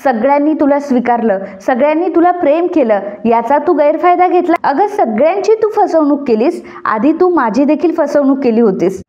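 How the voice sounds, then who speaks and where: A woman's voice: sits high, animated, moderate pace, few pauses, dark tone, pitched above the performer's own voice. A woman voicing a stern elder brother who scolds with reproachful questions. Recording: dull lo-fi recording.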